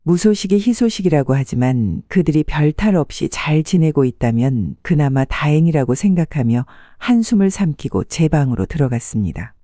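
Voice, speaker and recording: A calm, measured narrator hosts an audiobook channel and tells a story in the first person. The tone is mellow and warm, and the recording is dry and close, with no room around it. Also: mid-range voice, dry recording.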